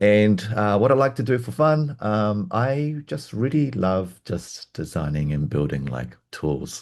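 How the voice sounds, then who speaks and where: In a New Zealand accent, a man speaks at a very deep, low pitch that swings very widely. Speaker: product designer. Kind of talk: panel discussion.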